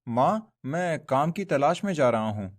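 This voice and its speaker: A man's voice: a little high, animated, measured pace. A man voicing an honest, poor young man in a cartoon, talking earnestly and pleadingly. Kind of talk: Hindi cartoon voice acting.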